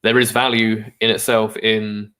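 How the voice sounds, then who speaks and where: A man's voice: fairly low pitch, flat delivery, measured pace, sharp tone. Slangy man in an echoey room. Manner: rambling, swears freely, slangy. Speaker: podcast co-host. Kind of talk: casual chat.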